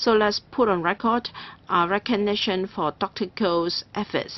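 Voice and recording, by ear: A woman speaks at medium pitch with ordinary pitch variation. Her pace is fairly slow.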